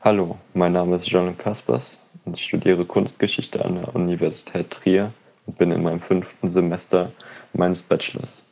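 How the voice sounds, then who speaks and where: A man studying art history, introducing himself in a flat, plain way. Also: sits low, moderate pace, gravelly, low-quality recording.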